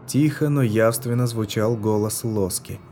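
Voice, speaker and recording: A man giving scripted narration of a dark fantasy story in a measured, tense manner. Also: on the low side, a little hiss or hum. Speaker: audiobook narrator.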